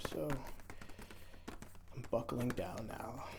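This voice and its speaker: A soft-spoken man talks here. Noticeable background noise is present. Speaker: ASMR creator. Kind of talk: ASMR casual rambling to camera.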